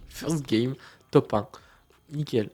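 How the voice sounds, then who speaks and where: Slow, mellow-voiced man with a cold. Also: medium pitch, slight background noise. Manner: relaxed, mumbling asides, frequent fillers. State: has a cold, stuffy. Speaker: streamer. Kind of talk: casual live gameplay chat.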